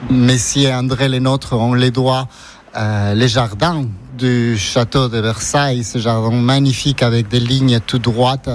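A man's voice: mid-range voice, steady tone, a little slow. A middle-aged man from Ecuador, Spanish his first language, speaking French with an accent, talking earnestly about his ice cream shop in a radio interview.

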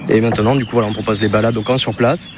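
A man's voice: fairly low pitch, steady tone. A man who runs a small business, interviewed outdoors, speaking matter-of-factly with fillers. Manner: rapid, matter-of-fact, with fillers. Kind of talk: casual interview. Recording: field recording with outdoor noise.

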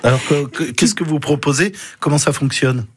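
A man's voice: fairly high pitch, normal speed, slightly rough. A man hosting a radio interview, chatty, with frequent short responses. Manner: conversational, frequent backchannels. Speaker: radio host.

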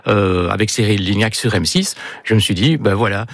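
A man's voice: on the low side, moderate pace, gravelly, no echo, clean studio sound. A middle-aged man with a Belgian accent talking casually as an interview guest, a little hesitant and full of filler tags. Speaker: interview guest, self-taught cook and author.

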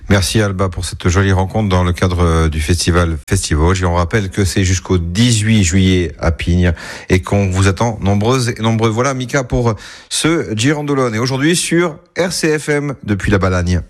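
A man hosting a radio interview, measured and hesitant with fillers. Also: sits low. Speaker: radio host.

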